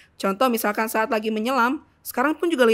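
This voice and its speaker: Very fast pace on a very clean recording with a silent background. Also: woman. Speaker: deaf sign language teacher. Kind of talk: interview. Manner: halting.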